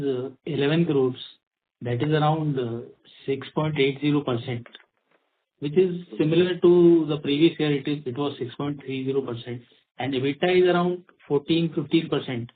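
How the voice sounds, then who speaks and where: An Indian-accented man, a company executive, explaining in a halting way as he answers questions on an earnings call. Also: on the high side. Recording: tinny phone line with clicks and noise.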